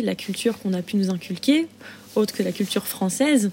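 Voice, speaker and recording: Medium-pitched female speech with a plain, everyday voice, a fairly quick pace and ordinary pitch variation. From France. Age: 20s. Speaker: interviewee. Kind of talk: testimony.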